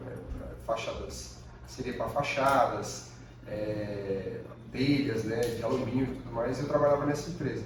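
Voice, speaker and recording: Against noticeable background noise and audible room echo, a man speaks at a fairly slow pace. He has a Fortaleza accent. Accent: Fortaleza (Ceará). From Ceará, Brazil (Fortaleza). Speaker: business coach and speaker. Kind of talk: interview. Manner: hesitant, with repetitions.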